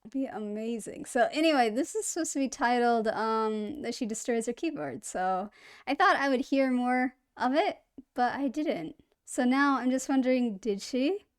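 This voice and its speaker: A woman's voice: fairly high pitch, normal speed, smooth. A woman hosting a reaction video, chatting casually in an upbeat, rambling way and poking fun at herself.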